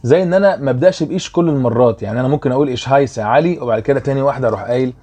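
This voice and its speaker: A man's voice: medium pitch, racing, dark tone. A young man with an Egyptian Arabic accent, explaining a worksheet as a German teacher in a chatty way and often checking that students follow.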